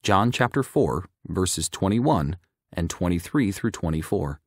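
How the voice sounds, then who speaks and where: A man narrating a religious audiobook in a measured, clearly enunciated scripted reading. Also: deep voice, lively intonation, no room sound, clean studio sound.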